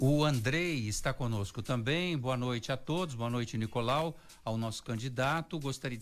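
A man's voice at medium pitch and a moderate pace. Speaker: radio host. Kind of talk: radio news reading and interview.

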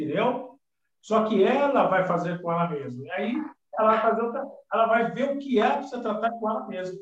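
With lively intonation and a fairly quick pace, a man speaks in a high pitch amid audible room echo. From Brazil, São Paulo. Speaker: psychotherapist and hypnosis teacher. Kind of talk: live webinar lecture and demonstration.

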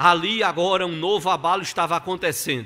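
Bright, sharp tone from a man with a high-pitched voice. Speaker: pastor. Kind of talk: sermon, expository preaching from scripture, with direct address to the congregation. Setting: church, streamed online service. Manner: earnest, exhortative, building to emphatic repetition.

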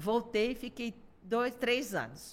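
A woman speaks in a fairly high voice. Her pitch varies in an ordinary way. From Curitiba, southern Brazil. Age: 50s. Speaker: television presenter. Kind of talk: casual interview chat. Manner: animated.

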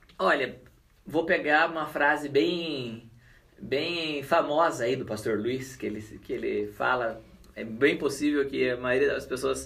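Speaking at a fairly high pitch, this man shows vocal fry, with audible room echo in the recording. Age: 30s. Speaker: pastor. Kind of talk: casual chat.

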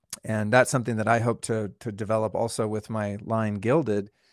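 Over a silent background in a very clean, dry, close recording with no echo, a man speaks at a fairly quick pace with a fairly low pitch and monotone, flat intonation. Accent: Californian. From Los Angeles. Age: 50s. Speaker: lifestyle influencer. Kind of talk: interview.

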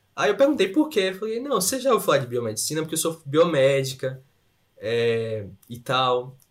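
A man speaks at a moderate pace with a fairly high pitch and very wide pitch swings. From Bahia, Brazil (Feira de Santana). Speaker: biomedical scientist, PhD student. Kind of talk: casual interview.

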